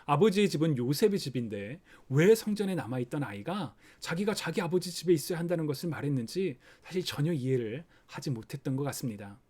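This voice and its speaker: Korean-speaking man preaching a gentle sermon. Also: fairly high pitch, animated, fast talker, few pauses, slightly rough. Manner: explains gently, acts out parents' worried inner voices. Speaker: pastor. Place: online worship recording.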